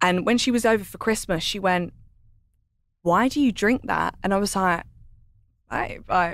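A woman with an English accent speaks at a moderate pace with ordinary pitch variation. She leaves long, frequent pauses, and the sound is dry with no echo. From England. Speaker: social media personality and podcast host; podcast host. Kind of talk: casual chat. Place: studio. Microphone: studio mic.

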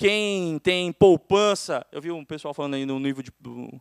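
A man's voice, with ordinary pitch variation, sounds dry with no echo against a quiet background. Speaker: accountant and lecturer on taxation; lecturer on taxation. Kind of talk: lecture. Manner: fast. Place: stage. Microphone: handheld.

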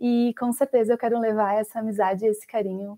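A woman at a moderate pace with fairly even intonation, against a quiet background. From Rio Grande do Sul, Brazil. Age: 20s. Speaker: physiotherapist, beauty pageant candidate; candidate. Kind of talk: live interview. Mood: warm, emotional, smiling. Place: home room.

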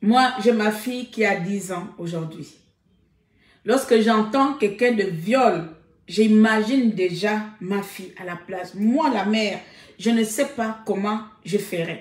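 A woman with a fairly high, somewhat breathy voice speaks very slowly with long, frequent pauses and ordinary pitch variation, with audible room echo. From Gabon. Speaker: activist livestream host. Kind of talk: casual vlog chat, live-stream commentary. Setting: online live stream. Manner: animated. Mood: serious, indignant. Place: home room. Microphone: phone near.

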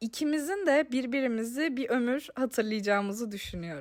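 A woman's lively intonation at a moderate pace, on a very clean recording with a silent background. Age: 20s. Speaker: podcast host, student. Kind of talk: personal monologue podcast. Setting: home bedroom under a duvet. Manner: intimate, chatty.

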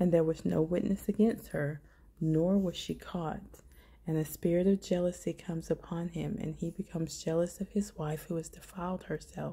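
The voice is somewhat breathy, with a dark, mellow tone. It moves at a moderate pace with fairly even intonation. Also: woman, fairly low pitch for a woman. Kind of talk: scripture reading.

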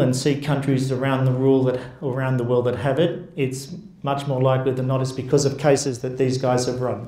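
Speaking with an Australian accent and hardly any pauses, a man is heard with audible room echo. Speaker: lawyer. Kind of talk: onstage interview. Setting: stage with audience. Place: hall. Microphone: handheld.

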